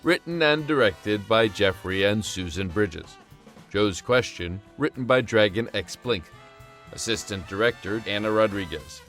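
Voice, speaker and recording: A man's voice: fairly low pitch, animated, unhurried, fairly bright tone. A man reading scripted show credits as an announcer. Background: guitar music.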